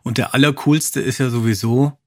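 A man's voice: medium pitch, steady tone, normal speed, a little mellow. A man hosting a podcast, chatting casually and putting questions to his guests. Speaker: podcast host. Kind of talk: casual chat.

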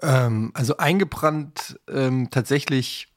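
A man chatting casually as a podcast co-host, thinking aloud with a halting delivery. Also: medium pitch, dry recording, studio quality. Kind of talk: casual chat about childhood audio dramas.

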